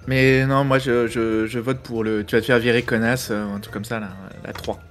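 A man's voice: medium pitch, level tone, moderate pace. A man co-hosting a game podcast, speaking hesitantly and repeating words as he thinks. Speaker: podcast co-host. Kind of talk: casual chat.

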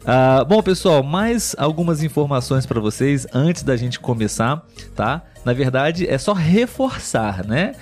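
A Brazilian man co-hosts a live podcast, speaking in a slow and deliberate way meant for learners. He keeps checking in with his audience and his co-host as he goes. A faint music bed plays underneath him. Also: mid-range voice, very animated, a little mellow. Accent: Brazilian Portuguese. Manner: slow, clear, teacherly delivery with frequent "né?" checks.

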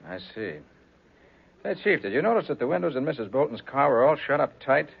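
Private detective: brisk, animated, probing delivery, muffled 1940s radio recording. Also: male voice, medium pitch, creaky, breathy edge, full character voice. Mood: musing, probing. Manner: probing, assured. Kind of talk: 1940s radio drama acting.

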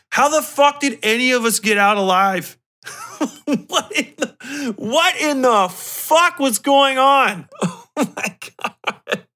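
A man in his thirties talking casually as a podcast host, ranting and reminiscing in a profane, slangy, animated way. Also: sits high. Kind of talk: casual solo rant, reminiscing.

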